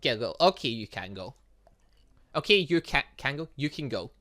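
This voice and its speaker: Bright-voiced, animated young man. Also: medium pitch, normal speed. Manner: rambling, mildly sweary, stumbles when reading aloud. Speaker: gaming channel host. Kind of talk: casual let's play commentary, reading visual novel text aloud.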